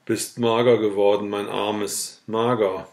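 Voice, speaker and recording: Male reader doing a dying old farmhand, soft and muttering, lowish voice, audiobook. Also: level tone, slow pace. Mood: tender. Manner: weak, quiet, indignant muttering.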